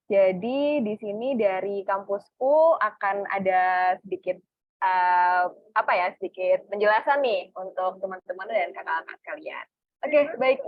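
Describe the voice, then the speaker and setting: A woman's voice: medium pitch, dry recording, highs cut off. A woman moderating a webinar, thanking speakers and announcing promotions with frequent fillers. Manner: friendly, filler-heavy, addresses audience.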